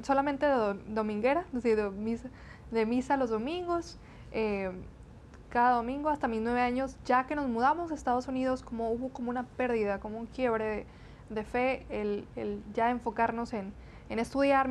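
A woman's voice: on the high side, moderate pace. Chatty young woman with faint hiss. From Texas–Mexico border. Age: 20s. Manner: chatty, many fillers and repeated "sí, sí, sí". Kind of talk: interview conversation.

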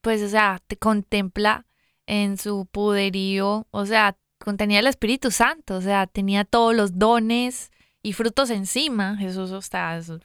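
A woman co-hosting a faith program, chatty and quick to laugh. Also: mid-range voice, steady tone, clean tone, no room sound, studio quality. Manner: chatty, laughs often, says o sea often. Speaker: co-host of a Catholic radio program. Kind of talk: casual faith chat.

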